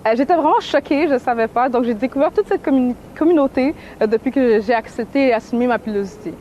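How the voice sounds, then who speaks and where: A woman's voice: sits high, fast talker, dark tone, muffled recording, slight background noise. A woman in her twenties with a Québécois French accent, talking candidly in an interview and laughing easily. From Canada. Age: 20s. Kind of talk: casual interview talk.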